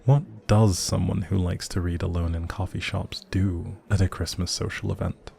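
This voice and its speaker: A man's voice: low-pitched, level tone, normal speed, creaky, mellow. A man playing a grumpy but secretly sweet young barista in an intimate audio roleplay, speaking straight to the listener in a teasing, wry, bookish way. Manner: teasing, wry, hesitant asides.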